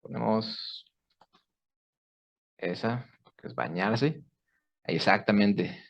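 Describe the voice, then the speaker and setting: A man's voice: lowish voice, animated, very slow, vocal fry, muffled recording. A man teaching pronunciation in an online class, explaining patiently step by step and checking in with his students. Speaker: English teacher.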